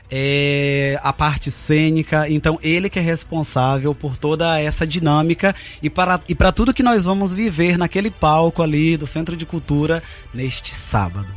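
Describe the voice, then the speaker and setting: Earnest actor, slightly high voice. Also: male voice. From Bahia, Brazil. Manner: earnest, heartfelt. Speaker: stage actor. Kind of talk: interview guest.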